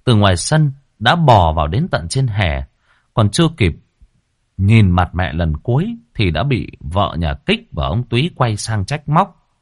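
A man, narrating a folksy ghost story in a lively, colloquial way. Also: on the low side, unhurried, no echo, studio quality.

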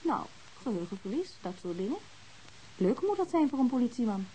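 A woman's voice: a little high, big pitch swings, fairly quick, warm tone, rough recording. A woman playing a strict, bossy hospital nurse with a scolding manner in a Dutch radio drama. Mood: firm, sardonic. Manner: stern, scolding. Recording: hissy old radio drama recording.

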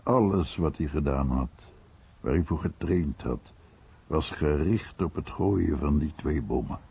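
A man giving a measured Dutch documentary voice-over of someone's recollections. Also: extremely low pitch, expressive, gravelly, warm tone, breathy edge, full character voice. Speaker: voice-over translator. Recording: dull, muffled radio recording.

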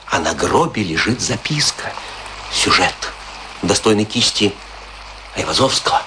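Low, swooping, morbidly wry storyteller. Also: male voice, lively intonation, unhurried, noisy background. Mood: spooked, wry. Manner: theatrical, ironic, rhetorical questions, dramatic swings. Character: chatty, morbidly wry man musing over death and graves. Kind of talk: theatrical radio play monologue, conversational Russian storytelling.

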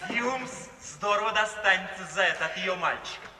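A charming, idle young man in a 1950s radio drama. His high voice is playful and mock-pompous. The recording is echoey, with clear hiss. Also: lively intonation, normal speed, far from the mic. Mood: flippant. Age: young adult. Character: flippant, idle, charming young clergyman's son. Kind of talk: 1950s Soviet radio play acting.

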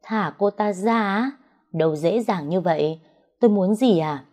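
A woman's voice: medium pitch, a little slow, a little mellow, lightly acted. A woman voicing a scheming, jealous young woman who taunts and sneers. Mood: taunting.

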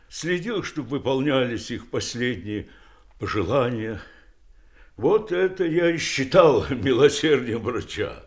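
An old doctor looking back on his long life in a stage-style audio drama. His delivery is unhurried and his pitch swings widely. He rambles, halts and exclaims, both wistful and bitter. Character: garrulous wistful old doctor, eighty-six, bitterly reflective. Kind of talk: theatrical audio drama monologue.

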